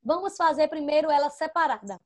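A high-pitched woman runs an online class for small children. She talks into her computer microphone with patient, coaxing warmth. She keeps checking in and spells out syllables slowly. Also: lively intonation. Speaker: first-grade teacher. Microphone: computer microphone, with headphones.

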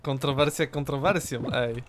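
A man hosting a gaming channel, chatting casually with a friend while playing, excitable, jokey and swearing a lot. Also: medium pitch, normal speed. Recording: loud background noise over voice chat.

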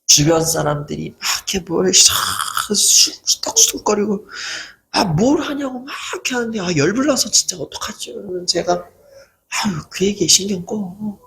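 A man's voice: high voice, animated, normal speed, creaky, a bit bright. A man who hosts a channel, giving an earnest motivational talk and acting out people's mocking remarks as he goes. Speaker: lecturer and channel host.

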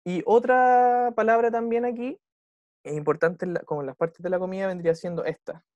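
Patient Chilean teacher, bone-dry sound. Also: male voice, sits high, flat delivery, fairly quick, a little mellow, no echo, lo-fi sound. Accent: Chilean Spanish. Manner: patient, checks in with "¿ya?" and "¿cierto?" after every point. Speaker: English teacher. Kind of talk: explaining a recorded English dialogue to a class.

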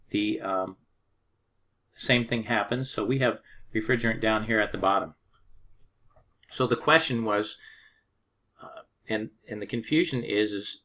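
A man teaching an HVAC lesson over sketched diagrams. He speaks at a middling pitch, calm and unhurried, and often restarts his sentences as he works through each point. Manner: plain, unhurried, with frequent restarts. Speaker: HVAC instructor. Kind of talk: explaining over drawn diagrams.

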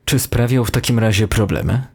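A man's voice: fairly low pitch, brisk, a little mellow, slightly rough. A man reading the part of a stern, threatening detective in an audio horror story, curt and menacing. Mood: businesslike.

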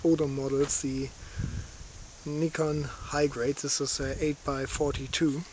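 Slow, halting man outdoors. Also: on the high side, little pitch movement. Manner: halting, many fillers, simple non-native phrasing. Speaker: outdoor channel host. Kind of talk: casual gear review. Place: outdoors on a lakeshore in light rain. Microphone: handheld camera at arm's length. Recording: faint rain and outdoor noise.

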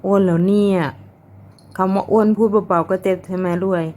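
A woman's voice: mid-range voice, fairly even intonation, moderate pace, mellow. A woman chatting casually while filming her pet cat, laughing often and talking to the cat between stories. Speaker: cat owner vlogger.

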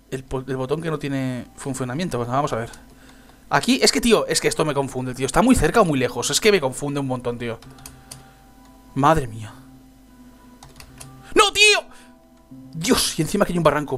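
Young guy yelling through a minecraft parkour map, high jumpy voice, music faint behind. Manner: excitable, yelps and laughs at falls. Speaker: Minecraft let's player. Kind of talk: gameplay commentary.

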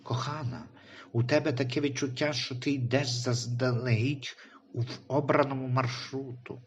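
A man's voice: mid-range voice, normal speed, slight background noise, natural voice. A man voicing a worried, caring husband in a Christian audio story, speaking anxiously.

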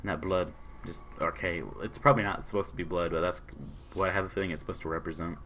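A hoarse young man with a sore throat, casually commentating a game he is playing, reading on-screen messages aloud and answering them. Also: low voice, steady tone, fast talker, a bit bright, slight background noise. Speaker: gaming channel host. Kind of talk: casual let's-play commentary.

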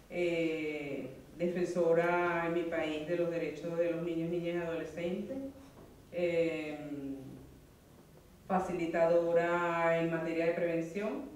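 A woman introducing herself as a social worker in a seminar circle, slow and measured, searching for words. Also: deep voice, darkish tone, a little hiss or hum. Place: seminar room, seated in a circle. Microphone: far camera. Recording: echoey room from far off.

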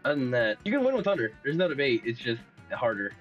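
Young guy explaining game tips over a kinda muffled mic, lots of likes, music low behind. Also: big pitch swings, quick pace. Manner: talks in loose filler-heavy explaining. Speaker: game coach. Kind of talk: casual coaching over voice chat.

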